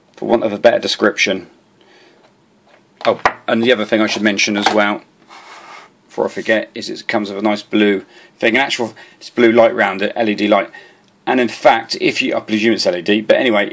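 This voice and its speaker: A man with a fairly low, slightly bright voice hosts a rambling, hesitant gadget demonstration, often repeating his words. He is a video host and amateur radio hobbyist working off the cuff at a desk in a small room, recorded on a handheld camera or phone.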